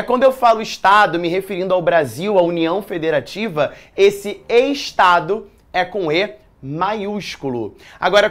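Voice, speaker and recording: Lively slangy male writing teacher. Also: sits high. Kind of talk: exam prep lesson.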